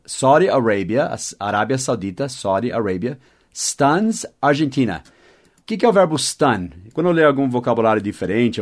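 A man giving a short podcast lesson on English vocabulary, in a voice of middling pitch. He spells each word out letter by letter and slows down for the example sentences. He keeps checking in with his listeners as he explains. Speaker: English teacher and podcast host.

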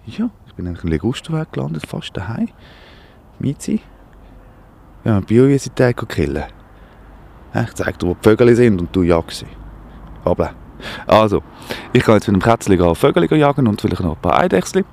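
A man's voice: on the low side, sing-song, fast talker, vocal fry, a little mellow. Sarcastic Swiss-German male radio host. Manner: sarcastic, rambling, mock-alarmed. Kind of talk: satirical radio monologue. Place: outdoors, walking.

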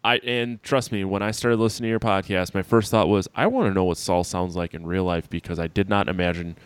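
A man's voice: sits low, little pitch movement, a little fast, smooth, no room sound. An American man hosting a casual podcast chat in a blunt, sweary way. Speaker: podcast host.

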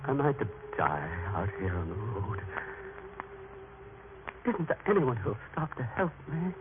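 An actor in a radio drama playing a wounded, weakened traveler who pleads desperately through his pain. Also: medium pitch. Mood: despairing. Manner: pleading, imploring, melodramatic. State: weak, in pain, crying out. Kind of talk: old-time radio drama acting. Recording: tinny, noisy old radio recording.

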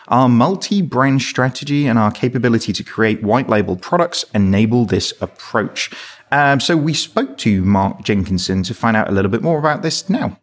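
A man hosting a casual podcast chat, introducing and reading out news stories. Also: fairly low pitch. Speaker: podcast host.

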